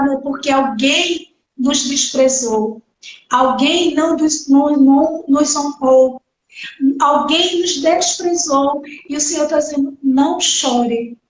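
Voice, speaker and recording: Woman pastor, high voice, earnest preaching, distant mic, echoey hall. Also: a little hiss or hum. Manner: earnest preaching with frequent "né" and acted quotes. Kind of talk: sermon. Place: church hall. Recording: echoey church hall from far off.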